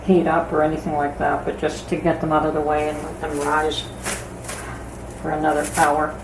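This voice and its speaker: A middle-aged woman hosting a homestead vlog, chatting calmly and thoughtfully from her home kitchen. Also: low voice. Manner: calm, unhurried, thoughtful with pauses. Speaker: homestead channel host. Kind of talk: casual kitchen vlog chat. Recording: echoey room with noticeable background noise.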